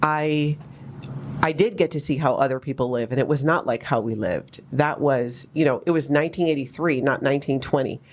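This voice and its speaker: A woman in her fifties from Hawaii, hosting a podcast and telling her own life story in a candid, wry, animated way with lots of asides. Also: rumbling low, a little fast, slight background noise. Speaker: podcast host. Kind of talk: personal storytelling chat.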